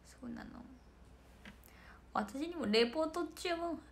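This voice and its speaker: 高い声でよく笑うおしゃべりな若い女性. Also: female voice, high-pitched, lively intonation, slow, background noise. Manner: giggly, chatty, answers comments. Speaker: idol livestream host. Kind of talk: casual livestream chat reading comments.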